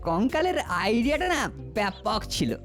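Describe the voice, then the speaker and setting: A woman's voice: a little high, sing-song, moderate pace. A woman voicing a cocky, mischievous cartoon boy who talks in a teasing, boastful way. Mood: pleased. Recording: music under the dialogue.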